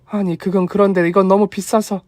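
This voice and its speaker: A man's voice: high voice, flat delivery, a little fast, dry recording, clean studio sound, pitched above the performer's own voice, natural voice. A man voicing a thrifty, kind elderly mother-in-law who fusses and scolds affectionately. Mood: flustered.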